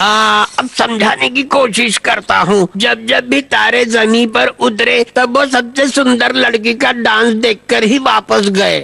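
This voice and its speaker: In a put-on character voice, the speaker goes at a fairly slow pace in a fairly high pitch with hardly any pauses. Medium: fan dub. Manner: pompous, cryptic.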